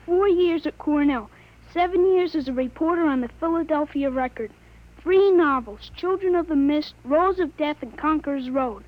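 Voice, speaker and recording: Casting: boy of thirteen, high voice, grown-up precise diction, matter-of-fact. Vintage radio play, dull lo-fi sound. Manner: articulate, precise, adult vocabulary. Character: thirteen-year-old boy with a 43-year-old man's mind, precocious, matter-of-fact. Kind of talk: 1950s radio drama acting. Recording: dull, lo-fi old radio broadcast.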